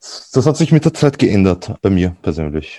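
Man with a very deep, low pitch. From Egypt and Austria. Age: 20s. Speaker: advertising professional. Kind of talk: casual chat.

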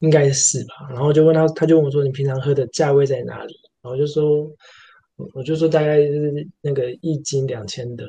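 A man with a Taiwanese accent, fairly high-pitched and somewhat breathy, fairly quick, monotone and flat yet with big swings in loudness. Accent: Taiwanese Mandarin. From Taiwan, Taoyuan. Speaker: podcast producer. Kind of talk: casual chat. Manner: hesitant, many fillers.

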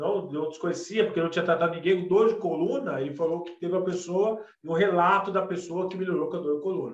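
A man talks with a high pitch. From Brazil, São Paulo. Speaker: psychotherapist and hypnosis teacher. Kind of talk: live webinar lecture and demonstration.

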